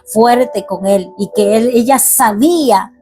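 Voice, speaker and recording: A woman reading a Bible passage aloud and then reflecting on it in earnest, halting commentary. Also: on the high side. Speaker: ministry teacher. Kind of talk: reading scripture and preaching. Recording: faint music behind.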